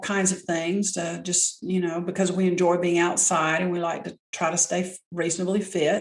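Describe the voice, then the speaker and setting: A woman in a Southern US accent, monotone and flat in intonation. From US South, North Georgia. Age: 60s. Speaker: former police officer, business owner. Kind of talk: interview testimony.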